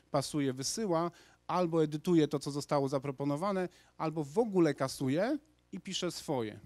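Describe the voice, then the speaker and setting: Man in his thirties, conference speaker, handheld mic, dry close sound, fairly high voice. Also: no echo. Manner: energetic, gesturing, with frequent restarts. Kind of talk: lecture presentation to an audience. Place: large lecture hall. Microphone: handheld microphone.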